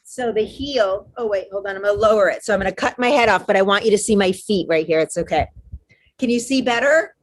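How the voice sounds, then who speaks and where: Husky-voiced chatty woman yoga teacher. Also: mid-range voice, quick pace. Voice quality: loud voice. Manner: encouraging, chatty, cues poses step by step. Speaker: yoga instructor. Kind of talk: live online fitness class instruction.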